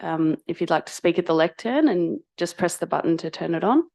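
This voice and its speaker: Brisk woman chairing a meeting. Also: fairly low pitch, expressive, gravelly, darkish tone. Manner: brisk and procedural. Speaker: mayor chairing a council meeting. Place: council chamber.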